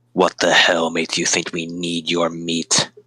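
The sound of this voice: A man puts on a character voice with a very deep, low pitch. His intonation is monotone and flat at a moderate pace.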